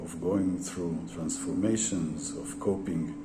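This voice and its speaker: With a non-native accent, a man speaks at a very deep, low pitch amid noticeable background noise and audible room echo. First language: not English. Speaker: spiritual teacher. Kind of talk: monologue talk. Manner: halting.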